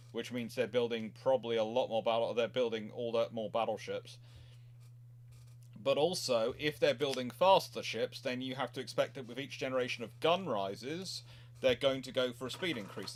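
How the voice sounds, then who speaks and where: A man hosting a casual live history question session, rambling and often repeating himself as he goes. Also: medium pitch. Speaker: naval history livestream host.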